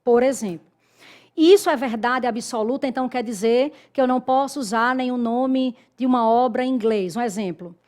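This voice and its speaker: A woman from Brazil teaches an online grammar lesson, explaining rules step by step. Her voice sits somewhat high. She keeps turning to the students with quick tag questions to make sure they follow. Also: a little mellow. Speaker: Portuguese teacher.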